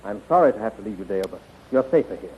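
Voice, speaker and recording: An actor playing an eager, confident young space hero in a bold, theatrical 1930s radio style. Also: male voice, fairly low pitch, expressive, rapid-fire, a little mellow, close to an everyday voice. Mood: reassuring. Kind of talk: 1930s radio serial acting. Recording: muffled, noisy 1930s radio recording.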